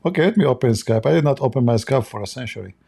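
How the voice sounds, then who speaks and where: Man, hoarse livestream host, gravelly and dark, rambling jokey chat. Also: medium pitch, lively intonation, very fast. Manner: joking, rambling while fiddling with software. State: hoarse, losing his voice, coughing.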